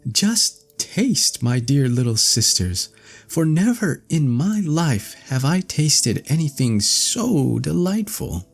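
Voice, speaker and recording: A man's voice: fairly high pitch, very animated, slow pace, vocal fry, slightly rough, voice pushed up, exaggerated voice. A man voicing a sweet, eager young princess in a fairy tale, with earnest storybook speech. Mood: delighted.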